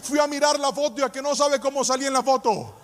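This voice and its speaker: A man's voice: very high-pitched, fast talker, slight background noise. A man preaching a sermon, passionate and storytelling, often singing out his phrases.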